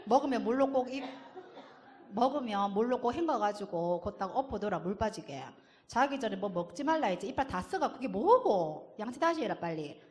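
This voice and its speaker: A woman's voice: medium pitch, animated, darkish tone, natural voice. A woman voicing a nagging father who scolds his young son nonstop in Gyeongsang dialect. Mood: scolding. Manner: rapid scolding, nonstop orders.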